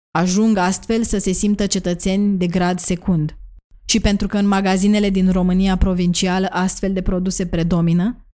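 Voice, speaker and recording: A woman narrating an academic essay in a measured, even delivery. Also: medium pitch. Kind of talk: reading an academic essay aloud.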